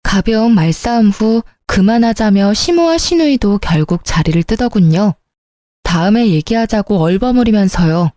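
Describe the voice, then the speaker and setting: A woman's voice: mid-range voice, lively intonation, normal speed, warm tone, dry recording, clean studio sound. A woman telling a personal story as scripted radio narration, in a matter-of-fact manner.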